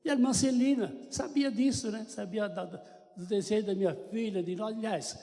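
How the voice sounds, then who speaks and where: A man's voice: high voice, moderate pace, dark tone. An older man with a Brazilian Portuguese accent, giving a chatty church testimony to a congregation with joking asides. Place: church sanctuary. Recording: long church reverb.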